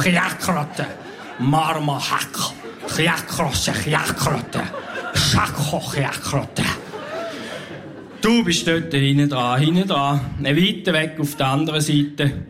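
A man performing spoken word poetry on stage, chanting repetitive lines and strings of invented nonsense words in a steady rhythm. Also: on the high side.

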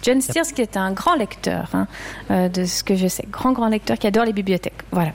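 A woman hosting a radio quiz show, chatty and leading the game with quick asides. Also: mid-range voice, vocal fry.

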